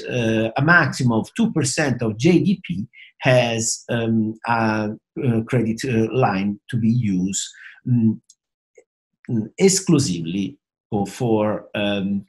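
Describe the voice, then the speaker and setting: A middle-aged man from Italy with an Italian accent, explaining in a halting, hesitant way with many fillers and repeated words, like a professor speaking to a webcam. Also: medium pitch, darkish tone, low-quality recording. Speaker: professor of finance and risk management. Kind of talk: explanatory talk to camera. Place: small indoor home office with bookshelves.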